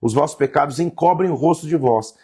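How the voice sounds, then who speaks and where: A man's voice: fairly high pitch, a little fast, darkish tone, slightly rough. A man reading Bible passages aloud and explaining them in a casual, conversational way. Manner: reads verses aloud, then comments in a casual tone. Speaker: Bible teacher.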